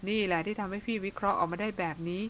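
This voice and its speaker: A woman's voice: medium pitch, steady tone, rapid-fire, a bit bright, a little hiss or hum, lightly acted. A woman reading the part of a bearded older brother who speaks bluntly and teases his younger sister. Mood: teasing. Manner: blunt, teasing, plain-spoken. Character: teasing bearded older brother, blunt but tender man.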